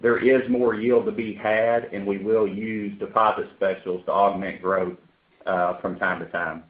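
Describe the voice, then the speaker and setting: Phone-like audio, male corporate executive, fairly low voice, hesitant stop-start answers, unscripted. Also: little pitch movement, measured pace, breathy edge. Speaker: company executive answering analyst questions. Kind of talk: unscripted earnings call commentary. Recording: tinny narrow phone conference line.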